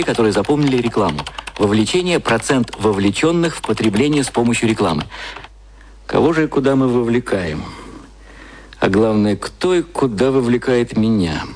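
An actor playing a brooding, ironic, intellectual advertising copywriter in an audio drama, speaking in a measured, deliberate way. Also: male voice, mid-range voice, noisy background, close to an everyday voice. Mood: pondering. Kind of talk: audio drama acting, inner monologue and reading. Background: music.

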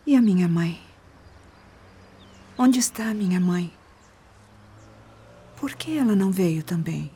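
A troubled young Brazilian daughter in a radio drama. Her voice is very husky and breathy, with a dark, muted tone. She speaks slowly and haltingly, fragile and depressed. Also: lowish voice, lively intonation, exaggerated voice. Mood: anxious, tearful. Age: young adult.

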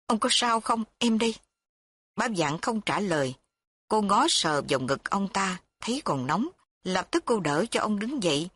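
Female storyteller, even scripted narration, mid pitch, dry room. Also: slightly rough, dry recording.

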